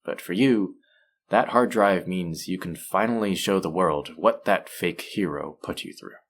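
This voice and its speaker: A man playing a suave, manipulative supervillain in an intimate audio roleplay, measured and teasing, softly menacing yet tender toward his captive. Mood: scornful, earnest. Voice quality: low, creaky voice.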